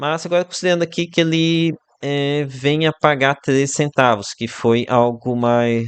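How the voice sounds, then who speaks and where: A man speaks in an unremarkable speaking voice at a moderate pace with ordinary pitch variation. The background is quiet, and the sound is dry and close with no echo. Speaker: finance YouTuber analyzing real estate funds. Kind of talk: investment analysis video.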